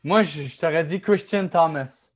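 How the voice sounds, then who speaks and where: A man with a Quebec French accent co-hosts a casual sports chat show and likes to slip in puns. His voice sits a little high. The recording sounds somewhat dull and lo-fi. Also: normal speed. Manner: joking, makes puns. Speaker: co-host.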